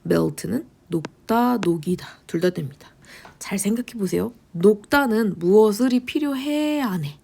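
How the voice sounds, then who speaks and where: A woman teaching English vocabulary in a lecture, asking quick rhetorical questions and answering them herself, often dropping into a whisper. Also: mid-range voice, animated, creaky, mellow, slightly rough.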